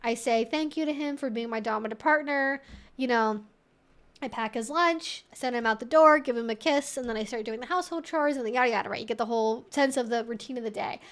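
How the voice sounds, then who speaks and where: A woman with a high voice hosts a live question-and-answer stream. She talks in a casual, explanatory way, sprinkling in "like" and "you know" as she works through her points. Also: brisk, fairly bright tone. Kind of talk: casual educational livestream talk.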